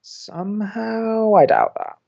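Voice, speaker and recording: A man's voice: sits high, slow, creaky, a little mellow, dull audio, exaggerated voice. A man playing a sardonic, protective young college radio co-host in an audio drama, with a dry, sarcastic manner. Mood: dry, wry.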